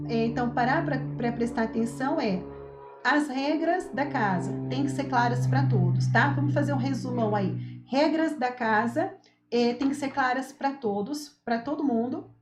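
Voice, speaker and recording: A woman's voice: a little high, darkish tone, echoey room. A woman from Brazil giving a live parenting lesson, with a didactic manner and frequent check-ins like "tá?" and "né?". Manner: didactic, repeats points with "tá?" and "né?". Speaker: parenting educator. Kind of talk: live-streamed talk to parents.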